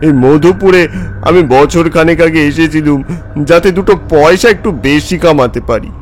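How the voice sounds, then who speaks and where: A man's voice: fairly high pitch, slight background noise. A man playing a frightened poor villager in a horror story, stammering and repeating his words. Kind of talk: dramatic horror audio story acting. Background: background music.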